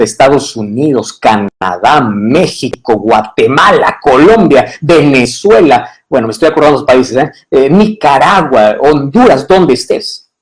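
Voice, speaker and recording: A man preaching as a pastor on a livestream, talking straight to viewers, checking often that they follow and spelling out numbers slowly. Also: medium pitch, rough recording. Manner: animated, addresses viewer directly with frequent checks.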